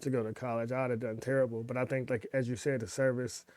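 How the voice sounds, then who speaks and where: A man's voice: medium pitch, level tone, fast talker, a little mellow, no room sound. A man hosting an interview, asking long casual questions with slangy, encouraging reactions. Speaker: podcast host.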